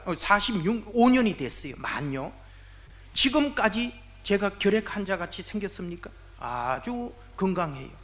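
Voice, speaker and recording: A man in his sixties, a church elder giving a testimony sermon, telling his story in an animated way and acting out the voices of the people in it. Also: on the high side. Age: 60s.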